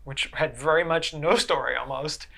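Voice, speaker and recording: A man's voice: fairly high pitch, normal speed, creaky, a bit bright. A man chatting casually as a co-host of a talk show. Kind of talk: casual chat about video game movies.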